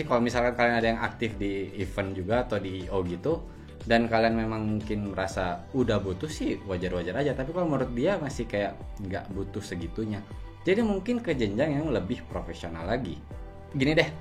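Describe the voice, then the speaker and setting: A man hosting a product review, explaining things in an informal, conversational way. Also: fairly low pitch. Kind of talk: casual scripted-feel gadget review to camera.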